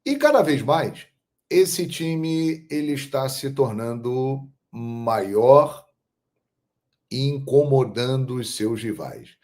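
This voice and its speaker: A man from Brazil hosting a football channel, telling stories in a measured, emphatic monologue. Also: medium pitch, animated, a little mellow. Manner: measured, storytelling, emphatic on key phrases. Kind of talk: casual monologue to camera.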